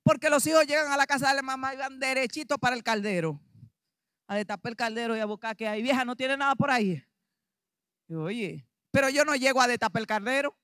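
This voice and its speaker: A woman pastor with a Dominican Spanish accent preaching an animated sermon, acting out dialogue and rising to shouts. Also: a little high, no room sound, studio quality. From Dominican Republic.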